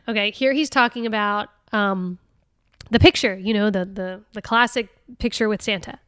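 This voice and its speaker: A woman hosting a casual solo podcast, chatty and laughing often, reading passages aloud with lively expression. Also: mid-range voice, moderate pace, smooth, dry recording, clean studio sound. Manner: chatty, laughing often, with many fillers and restarts. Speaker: podcast host.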